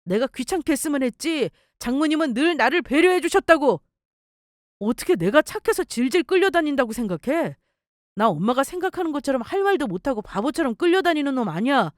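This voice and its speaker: A woman's voice: high voice, big pitch swings, brisk, no room sound, clean studio sound, voice pushed up. A woman doing an exasperated young husband. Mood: defensive. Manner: exasperated, pleading, defensive. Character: young married husband, frustrated son. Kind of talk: story radio acting.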